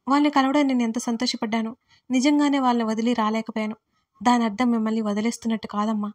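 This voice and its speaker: Reproachful grown daughter in an audiobook drama, read by a woman, emotional, highish voice, narrow pitch. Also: close to an everyday voice. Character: hurt, demanding grown-up adopted daughter. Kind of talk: audiobook role reading.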